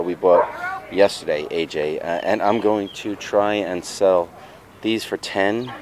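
Low-voiced man touring his flea market tables. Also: darkish tone, a little hiss or hum. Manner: chatty, rambling. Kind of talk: casual vlog walkthrough. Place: outdoor street fair. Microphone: handheld camera.

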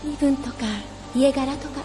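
A woman's voice: sits high, flat delivery, measured pace. An actress playing a grieving young noblewoman in a radio drama, with a plaintive, emotional delivery. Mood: wistful, bitter. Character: grieving young noblewoman mourning her dead lover. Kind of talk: Japanese radio drama acting. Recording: music behind the voice.

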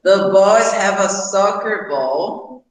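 A man's voice: high-pitched, lively intonation, very slow. A young man with a Brazilian Portuguese accent teaching an English class over a video call, patient, repeating sentences for students. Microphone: laptop video call. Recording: echoey room.

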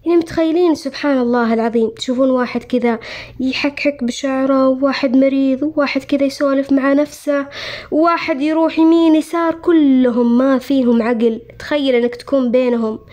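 Saudi lady telling a story real quick, earnest and emotional. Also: high-pitched, fairly even intonation, a little mellow. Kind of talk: first-person story retelling.

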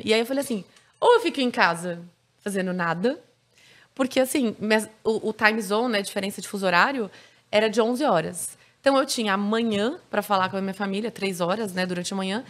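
A woman's voice: mid-range voice, animated, fairly quick. A Brazilian woman telling a story as a podcast guest, in a chatty style full of fillers. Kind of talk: casual podcast chat.

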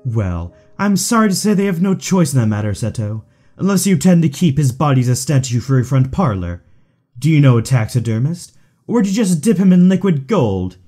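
Suave, lilting, mocking villain. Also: male voice, medium pitch, very animated, brisk, mellow, faint music behind. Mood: cruelly mocking. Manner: taunting, mock-affectionate, theatrical. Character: suave, mocking, theatrical villain toying with his rival. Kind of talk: fan audio drama acting.

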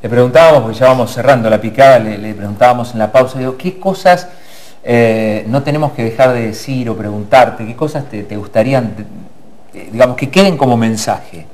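A man's voice: mid-range voice, a little fast, darkish tone. A middle-aged man co-hosting a TV studio talk show, speaking with hesitations and fillers. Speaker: TV co-host. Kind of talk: casual TV chat. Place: TV studio set at a table.

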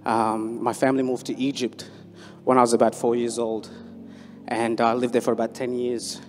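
A man's voice: medium pitch, flat delivery, normal speed, darkish tone, a little hiss or hum. A young man from Sudan giving a testimony on an arena stage with a handheld mic, hesitant with many fillers. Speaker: bible school student. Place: large indoor arena stage. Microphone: handheld microphone.

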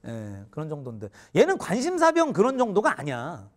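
A man in his forties, a teacher, telling a funny story in an animated way and often laughing mid-sentence. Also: on the high side, a little fast. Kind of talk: humorous storytelling lecture.

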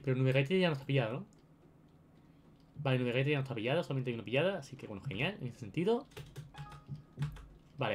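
A man's voice: mid-range voice, slight background noise. A young man with an accent from Spain giving casual, chatty gameplay commentary to his viewers, often repeating his phrases. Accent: Spain Spanish. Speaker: gaming video host.

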